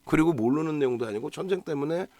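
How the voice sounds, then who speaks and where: A man's voice: on the high side, expressive, fast talker, a little mellow, no echo. A man giving a solo stock market analysis broadcast, talking emphatically, asking himself rhetorical questions and checking in with the audience.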